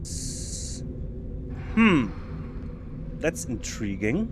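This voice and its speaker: Slow, musing male game streamer. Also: mid-range voice, big pitch swings, noisy background. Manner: musing to himself, chatting with viewers, stumbling restarts. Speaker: podcast host streaming a game. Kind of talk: casual live gameplay commentary.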